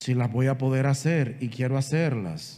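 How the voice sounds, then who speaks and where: A man with a Dominican accent speaks in a dark, mellow tone. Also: very clean recording, silent background. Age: 60s. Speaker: pastor. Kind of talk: sermon. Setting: church.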